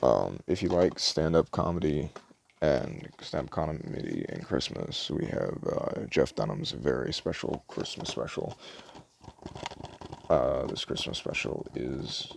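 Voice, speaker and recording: A soft-spoken man doing a casual ASMR roleplay as a store clerk, chatting in a hesitant, rambling way. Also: extremely low pitch, very animated, unhurried, vocal fry, slight background noise.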